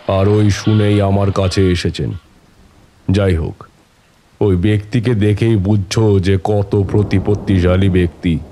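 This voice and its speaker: An actor playing a seasoned, middle-aged tantric holy man who reminisces in an unhurried, reflective way in an audio story. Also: deep voice, warm tone, a little hiss or hum. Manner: unhurried, reflective raconteur addressing listeners. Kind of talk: scripted audio-story narration in character.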